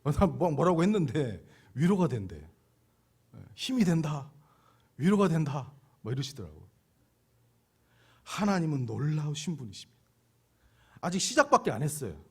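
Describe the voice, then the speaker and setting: A middle-aged man, a pastor, preaching a sermon, swinging from loud exhortation to hushed, intimate storytelling. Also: fairly high pitch, huge pitch swings, normal speed, vocal fry, pauses often, slightly rough.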